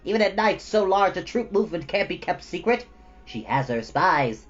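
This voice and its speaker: A worried little gnome prince acted by a man gives earnest advice in a high register. Each phrase is emphatic, and the recording is a touch dull. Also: very animated, normal speed, soft background music.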